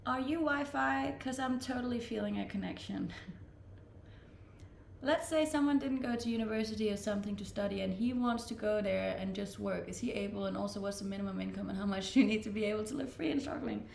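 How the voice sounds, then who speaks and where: Danish woman with a gravelly voice, livestreaming. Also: medium pitch, a little fast, darkish tone, roomy sound, slight background noise. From Denmark. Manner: chatty and self-deprecating, laughs often. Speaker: Twitch streamer. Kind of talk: casual live-stream chat, reading out and answering viewer comments.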